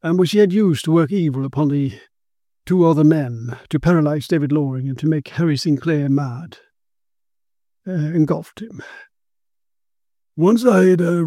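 A man voicing a commanding, grave male occult detective who explains dark matters with authority. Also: fairly high pitch, dry recording, clean studio sound, close to an everyday voice.

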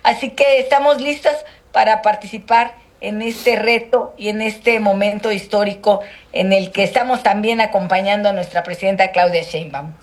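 Measured woman politician from Guerrero. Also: mid-range voice, steady tone. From Guerrero, Mexico. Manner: measured, halting, with many fillers. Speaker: politician, senator.

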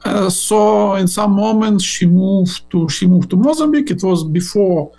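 A middle-aged man with an Eastern European accent, speaking non-native English as an interview guest, haltingly recounting his life and repeating words as he searches for phrasing. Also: high voice, gravelly, mellow. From born in Latvia, grew up in Ukraine. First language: not English. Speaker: interview guest, blogger and former journalist.

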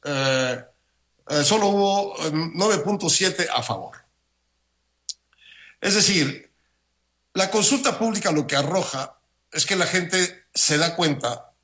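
A man's voice: fairly high pitch, a bit bright. Wry Mexican man with a cold. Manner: measured, wry, many "eh" pauses. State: has the flu. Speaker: regular commentator. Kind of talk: opinion commentary on air.

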